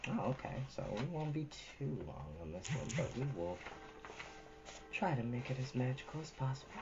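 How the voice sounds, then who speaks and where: A woman's voice: very deep voice, sing-song, normal speed. A woman hosting a storytime, chatting casually and reading expressively in an earnest, encouraging way. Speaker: storytime host and reader. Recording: dull lo-fi audio with music behind.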